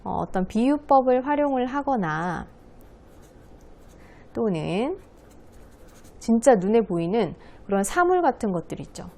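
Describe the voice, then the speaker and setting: A woman's voice: medium pitch, a little mellow. A woman speech coach giving a patient, friendly lesson to schoolchildren, writing on a board as she talks. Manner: friendly, patient teacher voice addressing children.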